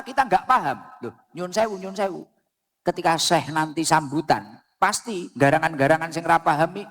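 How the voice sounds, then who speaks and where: A man's voice: high-pitched, vocal fry, fairly bright tone, big-room sound. A man with a Javanese accent preaching a sermon on a public mic, telling jokey stories and mixing in Arabic phrases.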